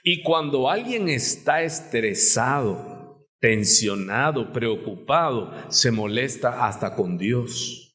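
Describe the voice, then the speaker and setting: A man's voice: medium pitch, animated, takes it slowly, fairly bright tone. A male pastor with a Mexican Spanish accent preaching a sermon in a church sanctuary, often asking the congregation rhetorical questions. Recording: long church reverb.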